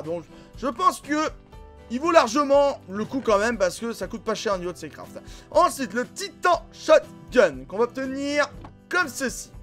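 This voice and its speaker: A man hosting a gaming channel, commenting casually and excitably on gameplay, filling his talk with voilà and hein. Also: sits high. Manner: excitable, filler-heavy, frequent voilà and hein. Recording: game music clearly behind voice. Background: background music and in-game explosions.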